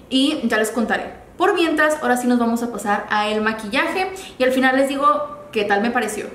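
A woman's voice: a little high, fairly bright tone. A young woman, reviewing makeup in a chatty, upbeat way. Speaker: beauty vlogger. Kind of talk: casual product review. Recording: echoey room, faint ambient noise.

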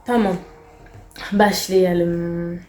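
Young female vlogger, Cameroonian accent, halting broken Turkish of a foreign learner, roomy echo. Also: lowish voice, flat delivery, mellow. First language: not Turkish, a foreign learner. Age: young adult. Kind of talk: casual storytelling to camera. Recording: roomy echo, faint music.

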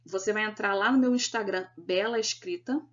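A woman's voice: mid-range voice, normal speed, muffled recording. A Brazilian Portuguese-speaking woman teaching an exam-prep grammar lesson, explaining step by step and checking in with her students. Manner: didactic, checks in with "né?" and "beleza?". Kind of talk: recorded video lesson.

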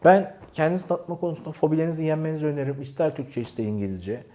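A man giving lively, teasing self-improvement advice straight to camera, acting out little examples as he goes. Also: on the high side, racing. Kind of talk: animated advice monologue.

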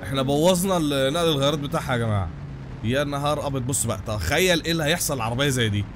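Egyptian man, young, has a cold, excited gaming commentary, fast, car sounds behind. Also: mid-range voice, background noise. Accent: Egyptian Arabic. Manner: animated, loud exclamations and religious interjections. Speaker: gaming channel host. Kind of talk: excited let's-play commentary.

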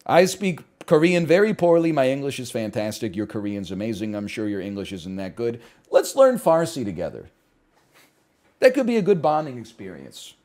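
A man in his thirties chatting while he plays, at a middling pitch. He riffs in an animated way, jumping between loud bursts and muttered asides, heard close on a headset mic in a small home room. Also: normal speed. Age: 30s. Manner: animated riffing, swings loud and quiet for bits. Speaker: streamer. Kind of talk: casual gaming stream chat.

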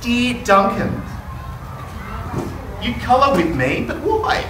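A man's voice: extremely high pitch, very animated, slow, full character voice. A man voicing a forlorn, neglected white crayon in a storybook read-aloud, plaintive and questioning. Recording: distant, roomy classroom with noise.

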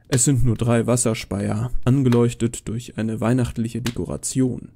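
A man narrating a scripted first-person story in a measured, atmospheric way. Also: medium pitch, vocal fry, mellow, a little hiss or hum.

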